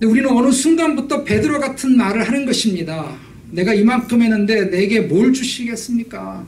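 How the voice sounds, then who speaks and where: A man's extremely high voice, with ordinary pitch variation and a fairly quick pace, in audible room echo. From South Korea (Jeolla, then Seoul and Incheon). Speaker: pastor. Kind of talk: sermon.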